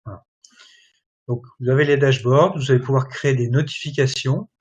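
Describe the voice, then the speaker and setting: A man presenting and demoing software in a webinar, talking in a halting way and filling pauses constantly. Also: medium pitch, steady tone, slightly rough. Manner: hesitant, many fillers like voilà and hein. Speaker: product presenter.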